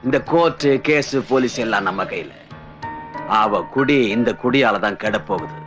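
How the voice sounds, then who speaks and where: An actor playing a calm, cunning elder who lectures and plots in a film drama. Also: male voice, medium pitch, moderate pace, over music, natural voice. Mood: plotting. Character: calm scheming male elder, cunning plotter.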